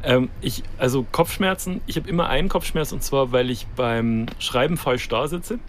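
A man's voice: mid-range voice, normal speed, slight background noise. A young man co-hosting a podcast in casual comedic banter, teasing his partner with dry quips. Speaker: podcast co-host.

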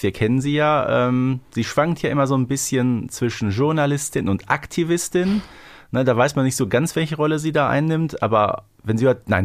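A man's voice: mid-range voice, dry recording. A man co-hosting a podcast, chatting casually and wryly as he reviews a story. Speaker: podcast co-host. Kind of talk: casual review chat about audio dramas.

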